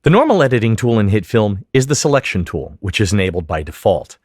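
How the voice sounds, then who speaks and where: A man giving scripted, methodical step-by-step instruction as a software tutorial narrator. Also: lowish voice, big pitch swings, fast, no room sound, clean studio sound. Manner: clear, methodical, step-by-step explanation. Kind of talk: scripted instructional narration over screen demo.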